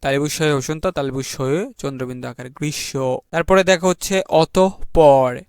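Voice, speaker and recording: Slow letter-by-letter Bangladeshi teacher, man. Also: on the high side, a little mellow, clean tone, no echo, studio quality. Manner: spells words out slowly letter by letter, drawing out key words. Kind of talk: exam revision lesson.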